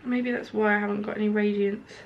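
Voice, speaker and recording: Fast-talking and flat, with little pitch movement, this young beauty vlogger has a medium-pitched voice with vocal fry, captured in dull audio with a little hiss or hum. She reviews makeup casually while applying it at home, window open, sounding nasal and stuffed up with a hay-fever sore throat. Her chat rambles, thick with "like"s.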